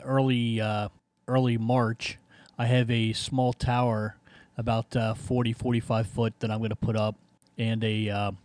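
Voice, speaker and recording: Male amateur radio operator, casual and halting conversational delivery, very dry recording. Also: mid-range voice, darkish tone, no echo. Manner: halting, searching for words. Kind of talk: casual ham radio contact chat.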